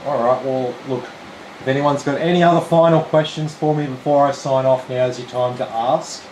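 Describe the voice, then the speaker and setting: A man with an Australian accent, slightly hoarse, casually talking viewers through a computer build on a live stream. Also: medium pitch, normal speed. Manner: relaxed, chatty, explains steps plainly. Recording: roomy with steady air-conditioning hum.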